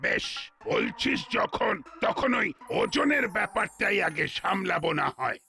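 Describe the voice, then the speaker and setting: A man voicing a pompous, excitable, blustering police inspector in a comic cartoon. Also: high voice, measured pace, creaky, faint music behind, full character voice.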